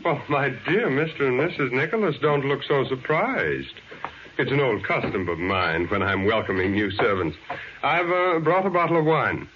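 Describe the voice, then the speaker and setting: An actor playing a suave, menacing crime boss who talks with polite, theatrical courtesy in a 1940s radio drama. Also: male voice, medium pitch, sing-song, moderate pace, close to an everyday voice. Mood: mock gracious. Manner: polite, smooth-talking, theatrical. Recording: muffled, noisy 1940s radio recording.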